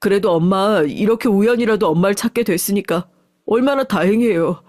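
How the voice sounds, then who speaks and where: A woman's voice: mid-range voice, brisk, darkish tone, dry recording, natural voice. A woman voicing a tearful grown son. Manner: polite, pleading, close to tears.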